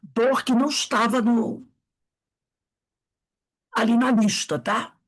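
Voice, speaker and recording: A woman's voice: fairly high pitch, fairly even intonation, slow. A woman, teaching a spiritist study class in a chatty way, full of tag questions and acted-out dialogue. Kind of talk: conversational class lecture.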